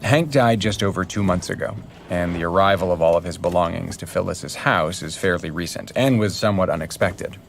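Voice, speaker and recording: An actor playing an earnest podcast journalist, narrating a true crime documentary in a measured, serious way. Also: male voice, deep voice, gravelly, a little hiss or hum. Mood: measured, explanatory.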